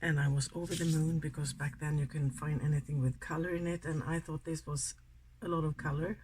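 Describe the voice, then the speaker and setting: A woman's voice: deep voice, steady tone, brisk, slight background noise. A Swedish woman in her sixties with a Swedish accent, chatting casually and a little ramblingly while doing a makeup tutorial. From Sweden. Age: 60s. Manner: chatty, rambling, soft-spoken. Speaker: beauty vlogger.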